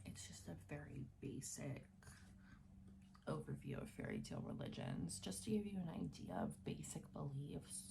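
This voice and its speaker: A woman speaking in a gentle, unhurried, breathy whisper, playing a reassuring student advisor in an ASMR roleplay. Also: lowish voice, noisy background.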